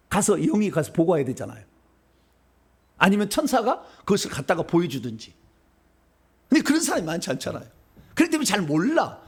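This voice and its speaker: A middle-aged man from Seoul preaching a sermon as pastor, in a conversational way that asks the congregation questions and answers them himself. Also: sits high.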